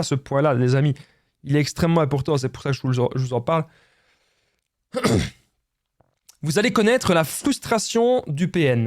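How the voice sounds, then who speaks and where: A man's voice: fairly high pitch, darkish tone, no room sound, clean studio sound. Insistent Belgian man giving advice. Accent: Belgian French. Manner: repetitive, insistent, addresses viewers as friends. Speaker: relationship advice youtuber. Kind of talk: direct-to-camera advice talk.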